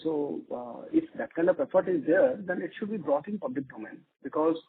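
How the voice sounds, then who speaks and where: A man with an Indian accent, an investor calling into an earnings call with polite but probing, halting questions. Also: fairly high pitch, lively intonation, a little hiss or hum. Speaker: investor caller asking questions. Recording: muffled narrow telephone line.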